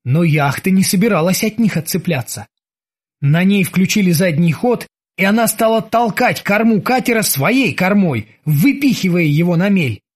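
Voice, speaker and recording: A man narrating an audiobook in a lively, vivid reading. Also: sits high, moderate pace.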